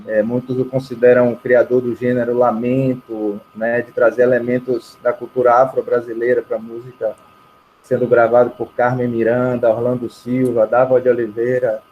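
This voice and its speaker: A man's voice: mid-range voice, normal speed, lo-fi sound. A man from Bahia, telling stories casually as a musician guest in an interview. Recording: clear steady background noise.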